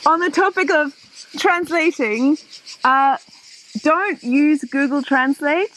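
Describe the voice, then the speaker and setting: High-voiced woman chatting outdoors. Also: slow pace, a little hiss or hum, rough recording. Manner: animated, laughing, talks with her hands. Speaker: host. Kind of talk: casual chat. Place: outdoors in a garden, seated in a hammock.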